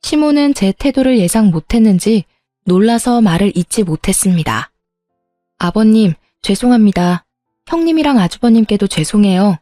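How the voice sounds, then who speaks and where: Calm woman narrating a family drama. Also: medium pitch, moderate pace, no room sound, clean studio sound, faint music behind. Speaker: storyteller.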